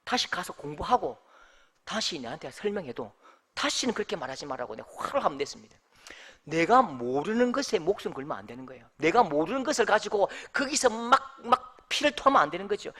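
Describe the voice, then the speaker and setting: A middle-aged pastor with a Gyeongsang Korean accent preaches to his congregation. His pitch moves widely up and down as he goes from hushed remarks to loud exclamations. It is lively, spoken pulpit preaching. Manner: animated preaching, swinging between hushed asides and loud exclamations. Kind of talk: expository sermon.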